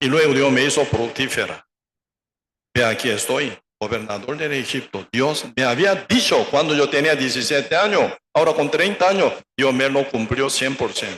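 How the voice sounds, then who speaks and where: A man speaks in a normal speaking voice at a moderate pace. His pitch is fairly high, with ordinary pitch variation. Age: 50s. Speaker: pastor. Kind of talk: sermon.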